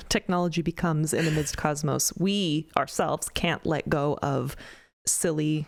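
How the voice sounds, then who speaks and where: Wry quippy podcast voice, mid pitch, dry close mic. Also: fairly even intonation, gravelly, no echo. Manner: wry, quick quips. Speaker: podcast co-creator. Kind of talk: casual roundtable chat.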